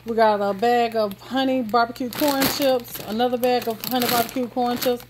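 A woman vlogger, walking through her groceries in a home kitchen and listing items slowly, with many ums and pauses. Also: fairly high pitch, fairly even intonation, background noise. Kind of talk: casual grocery haul walkthrough.

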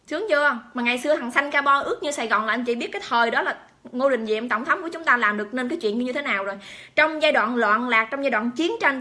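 A woman's voice: high-pitched, bright, forceful tone. A woman talking straight to her viewers. She keeps exclaiming and firing rhetorical questions at them. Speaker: vlogger addressing viewers. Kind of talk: emphatic monologue to camera.

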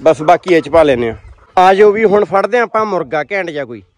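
A man's voice: high-pitched, animated, brisk. A man chatting casually as he films a vlog at a poultry farm. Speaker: vlogger filming a poultry farm visit. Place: open-sided brick poultry shed and yard. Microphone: handheld phone, behind the camera. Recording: birds clucking, outdoor farm noise. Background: chickens clucking, roosters.

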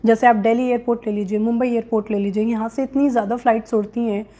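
Casting: young woman, slightly high voice, explanatory presenter who speaks straight to viewers. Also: fairly even intonation, fast talker, mellow. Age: young adult. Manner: explanatory, direct address to viewers. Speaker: host of career guidance videos. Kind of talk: explainer to camera, mixing Hindi with English terms. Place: small indoor room with curtains, seated.

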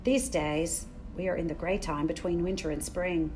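An older woman hosting a children's story time, speaking in a gentle, deliberate way for young listeners. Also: fairly low pitch, fairly even intonation, soft background music. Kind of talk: children's story time, picture book read-aloud. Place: furnished room in a church building.

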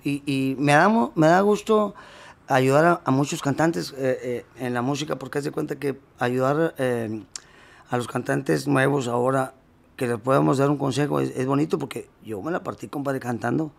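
A man's voice: mid-range voice, moderate pace, creaky. A male singer, talking casually in an interview, rambling with many restarts and slang.

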